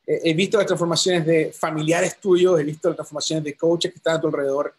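Hombre de voz aguda y ronca. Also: male voice, a little high, fairly even intonation, quick pace, a little mellow, slightly rough. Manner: encouraging, many fillers. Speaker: interviewer. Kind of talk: interview questions.

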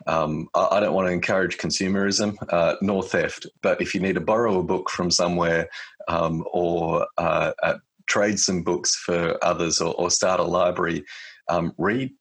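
A man in his forties, speaking as a podcast guest in a reflective, halting way with many fillers and restarts. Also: low-pitched, steady tone, fairly bright tone, husky. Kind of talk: casual conversation.

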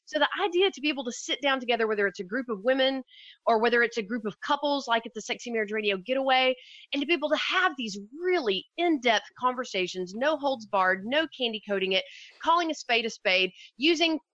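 A woman co-hosting a podcast in casual chat, with a loud voice, talking at length and with enthusiasm. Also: on the high side, expressive, quick pace, no echo, muffled recording. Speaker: podcast co-host.

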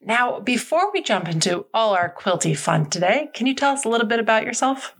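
A woman hosting a podcast, upbeat with scripted intros and quick questions to her guests. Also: fairly high pitch, sing-song. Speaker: podcast host. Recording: music playing behind the voice.

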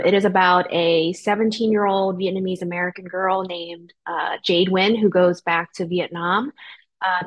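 A woman's voice: fairly low pitch, a bit bright. A woman speaking as an author guest in a casual interview, informal and conversational. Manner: informal, frequent "you know" and "like". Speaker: podcast guest, debut novelist.

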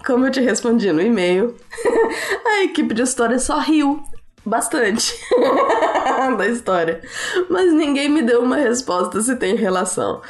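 A woman with a Brazilian Portuguese accent hosting a podcast, reading listener emails aloud and answering them in a chatty way with fillers. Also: a little high. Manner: chatty, reads letters aloud then answers with laughs and fillers.

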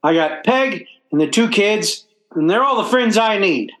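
A man's voice: sits high, expressive, a little slow, a bit bright, roomy sound, rough recording. An actor playing a blustering, self-pitying working-class father in old-time radio comedy style, with stammering, folksy, ungrammatical speech. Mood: bitter.

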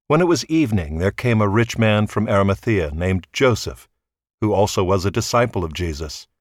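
A man reading Bible passages aloud in a measured, solemn way. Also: lowish voice, expressive, no room sound, clean studio sound. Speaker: scripture reader.

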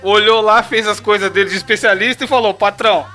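Brazilian guy, high voice, super bright, jokey slangy podcast banter, faint music behind. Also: fairly even intonation, fast. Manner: joking, slangy, laughs often. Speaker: podcast co-host.

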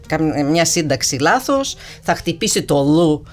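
A woman who grew up speaking Russian, with a slight tremble in her voice, talking in a reflective, unhurried way with soft fillers in an interview. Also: low-pitched, very animated, faint music behind. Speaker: guest singer. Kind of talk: relaxed interview conversation.

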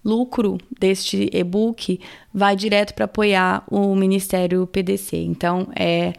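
A woman's voice: medium pitch, level tone, a little slow, creaky, darkish tone, clear, resonant tone. A woman hosting a podcast, talking casually and chattily with frequent laughs and asides. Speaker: podcast host. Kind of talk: casual chat.

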